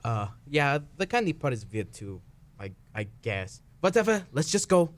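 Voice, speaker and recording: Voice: medium pitch, very animated, normal speed, lightly acted. An actor playing an ominous boy hunter in a fairy-tale radio play, speaking in terse, stilted commands. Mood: impatient. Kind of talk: live student radio play acting.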